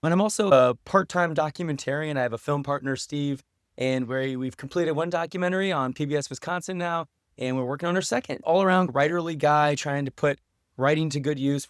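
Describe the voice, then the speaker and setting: A man's voice: on the high side, clear, resonant tone, dry recording, studio quality. A man speaking as a podcast guest, giving articulate, informal answers in a conversational way. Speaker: podcast guest, writer and English professor.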